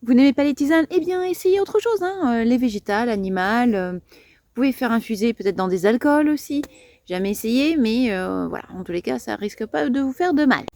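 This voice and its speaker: Woman, garden vlogger, chatty and teasing, mellow slightly high voice, dry sound. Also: expressive, a little fast, no room sound. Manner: chatty, playful, with many fillers and asides. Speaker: gardener and landscaper presenting plants. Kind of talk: casual garden vlog.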